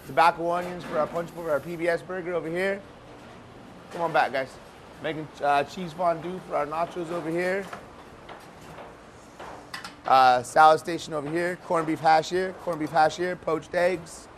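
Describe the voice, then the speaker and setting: A man's voice: on the high side, fairly even intonation, moderate pace, long pauses. A man giving a casual walking kitchen tour as a chef, calling out in a projected voice to a group following him. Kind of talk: casual walk-and-talk tour. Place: busy restaurant kitchen, indoors. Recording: clear kitchen background noise.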